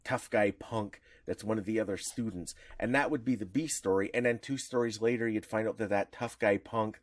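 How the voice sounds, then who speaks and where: A man's voice: fairly low pitch, fairly quick, no room sound. Man explaining at length, dry sound. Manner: explains at length with restarts and laughs. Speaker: podcast co-host. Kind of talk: casual chat.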